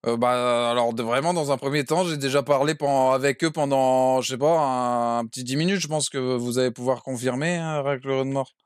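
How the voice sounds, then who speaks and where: A man's voice: medium pitch, fairly even intonation, a little fast, hardly any pauses, clear, resonant tone, no room sound, studio quality. A man playing a defendant in a roleplay court, cheeky and crude, with "carrément" over and over. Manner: cheeky, vulgar, keeps saying "carrément".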